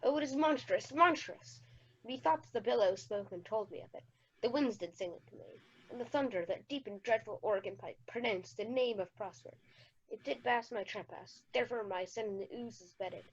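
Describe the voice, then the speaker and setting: A woman's voice: on the high side, normal speed, husky, muffled recording. A woman playing a guilt-stricken, grieving king, declaiming Shakespearean verse dramatically for a radio play. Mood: anguished.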